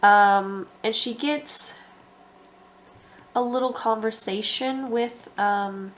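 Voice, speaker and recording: A woman's voice: on the high side, slow. A young adult woman with a stuffy, congested voice, talking casually about her writing and thinking aloud with lots of ums. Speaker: author vlogger.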